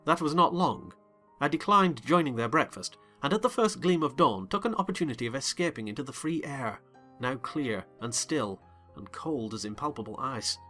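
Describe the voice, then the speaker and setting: Bright-voiced male narrator. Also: mid-range voice. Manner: measured, expressive. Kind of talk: dramatized reading of a classic novel.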